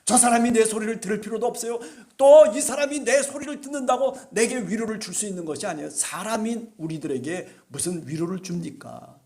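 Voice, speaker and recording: A male pastor delivering an impassioned sermon at a church service, urging his listeners and rising at times to shouts. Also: sits high, animated, brisk, hardly any pauses.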